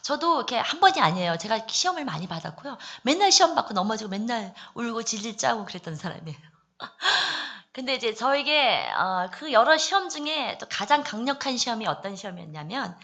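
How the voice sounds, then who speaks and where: A woman from the Daegu area giving an earnest church testimony, confiding and personal, with many soft fillers. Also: fairly high pitch, very animated, fairly quick. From Daegu, South Korea. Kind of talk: testimony at a prayer meeting.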